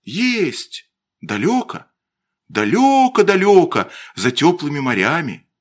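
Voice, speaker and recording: A man voicing a bold, steady village boy who speaks in a measured, deliberate way. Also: a little high, voice pushed up, heavily acted. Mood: calm, grave. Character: bold, steady peasant boy, calm and fatalistic.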